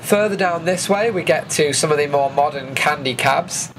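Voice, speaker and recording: A British man with a slightly high voice gives a casual vlog commentary over event footage. He is chatty and informal, talking the listener through what is shown. There is noticeable ambient noise behind him. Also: normal speed, fairly bright tone. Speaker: vlogger presenting an event recap.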